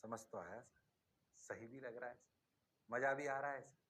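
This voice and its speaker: A man's voice: medium pitch, normal speed, fairly bright tone, pitched below the performer's own voice, lightly acted. A man doing a meek, whispery student. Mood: sheepish. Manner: deferential, adds "sir" to every phrase. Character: meek young male student, awed, hesitant.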